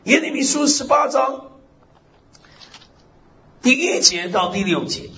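A man preaching a sermon in an animated way, drawing out key phrases and punctuating them with amens and hallelujahs. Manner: swings pitch widely, drawls key phrases. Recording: slightly dull recording with faint hiss.

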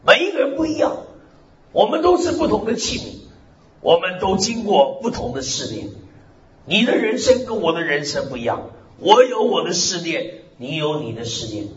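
Animated male preacher, swooping pitch. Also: moderate pace. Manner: animated preaching, frequent amens and hallelujahs; swings pitch widely, drawls key phrases. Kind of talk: sermon. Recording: slightly dull recording with faint hiss.

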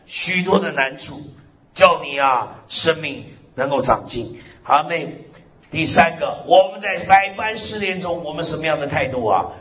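A man's voice: fairly high pitch, fairly bright tone. A man preaching a sermon as pastor, emphatic, with frequent hallelujahs and amens. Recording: echoey hall, dull lo-fi sound.

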